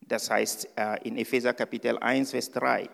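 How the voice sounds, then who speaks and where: A man's voice: medium pitch, little pitch movement, moderate pace, gravelly, a bit bright, big-room sound, slight background noise. A man preaching as a guest at a church service, a little nervous and hesitant, with frequent fillers and restarts. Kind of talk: sermon.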